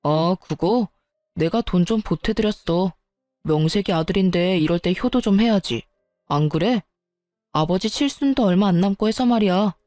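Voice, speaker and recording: A sneering, arrogant married man who answers every complaint with dismissive insults, voiced by a woman reading a storybook tale. The tone is soft and mellow, recorded dry and close. A faint music bed plays underneath. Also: mid-range voice, moderate pace, no echo, lightly acted. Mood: offhand.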